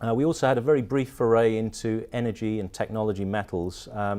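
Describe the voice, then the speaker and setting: A man with a British accent talks at a fairly quick pace in a dark, mellow tone and a fairly low pitch. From UK. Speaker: mining company director and geologist. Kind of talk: investor presentation. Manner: hesitant, many fillers.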